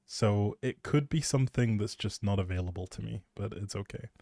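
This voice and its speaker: A man's voice: lowish voice, moderate pace, vocal fry, dark tone, no echo, clean studio sound. A young man rambling casually on a game livestream, playful and jokey as he chats back to viewers. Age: young adult. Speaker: live streamer and audio creator.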